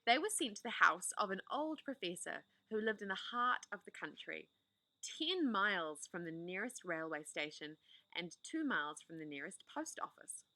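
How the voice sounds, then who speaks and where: Bright woman reading a story aloud. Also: medium pitch, animated, normal speed, dry recording. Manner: gentle, soothing. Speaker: storytime host. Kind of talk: reading a children's book aloud.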